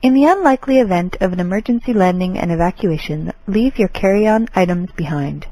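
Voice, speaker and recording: A woman playing a composed, polite flight attendant reading a formal, measured airline safety announcement. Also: lowish voice, animated, warm tone, poor audio. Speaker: flight attendant in a listening lesson.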